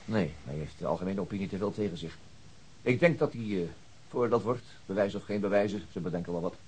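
An actor playing a methodical, doubting police detective in a radio drama, deliberate and husky. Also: male voice, sits low, a little mellow, rough recording. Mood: resigned.

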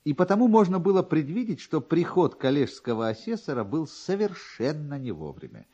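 A man narrating classic literature as an expressive storyteller, with a wry, theatrical manner. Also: a little high, moderate pace, breathy edge, lo-fi sound. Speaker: narrator, reader.

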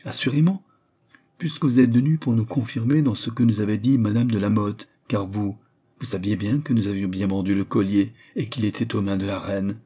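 A man's voice: on the low side, steady tone, brisk, warm tone, breathy edge. A man voicing an anxious, pleading male court jeweler with an insistent manner. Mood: desperate.

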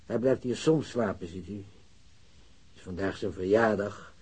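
Husky, mellow homely old father. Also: fairly low pitch, a little slow. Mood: chatty, eager. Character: homely, chatty older father receiving a police visitor. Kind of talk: Dutch radio drama dialogue.

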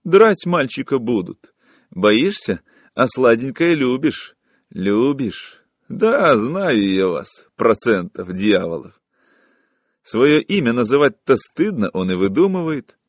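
A man voicing a coarse, hostile young woman who mocks and scolds in shrill, harsh taunts. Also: big pitch swings, takes it slowly, no room sound, clean studio sound. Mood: mocking.

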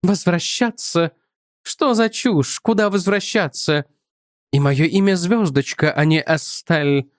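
A man's voice: a little high, slow, no echo, clean studio sound, pitched above the performer's own voice. A man voicing a dreamy, capricious young woman, a sacred courtesan, in an audiobook. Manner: wondering, capricious. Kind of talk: audiobook character voice.

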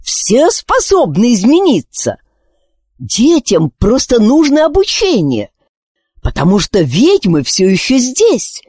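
A woman reading a children's story and voicing a wise, kindly talking bird that croaks earnestly. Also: fairly high pitch, huge pitch swings, slow pace, dark tone, no room sound, pitched above the performer's own voice, full character voice.

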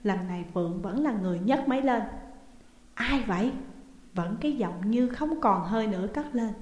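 A woman reading a ghost story aloud and acting out the frightened dialogue with high, rising exclamations. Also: expressive, a little fast, mellow. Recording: echoey room with long reverb.

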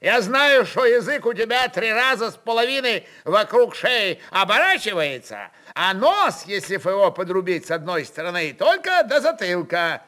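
Man acting a brash, high-pitched Cossack braggart. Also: very animated, moderate pace, few pauses, full character voice. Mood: mocking bravado. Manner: loud, taunting, bragging. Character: big bare-chested brash boastful Cossack heckler on a barrel. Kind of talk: dramatic audiobook-style character reading.

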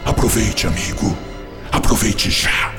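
A man's voice: fairly low pitch, a little slow, close to an everyday voice. A man playing a cunning, lustful tempter spirit in a radio drama, theatrical, insistent and persuasive. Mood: urgent seductive persuasion. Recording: music behind the voice.

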